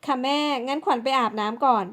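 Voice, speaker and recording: A woman voicing a gentle, timid young woman who speaks politely and apologetically. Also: sits high, fast talker. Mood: meek, polite.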